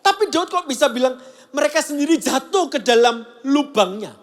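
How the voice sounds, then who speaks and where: A man's voice: very high voice, lively intonation, moderate pace. A male pastor giving a casual, conversational sermon and acting out the voices he quotes. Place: church service broadcast.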